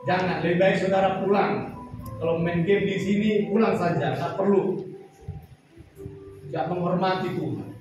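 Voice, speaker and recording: A male pastor preaching a sermon with emphasis, his delivery moving between loud, sing-song lines and low, quiet ones. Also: moderate pace, long pauses, dull audio, over music. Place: church sanctuary. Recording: very echoey hall, voice far from the mic.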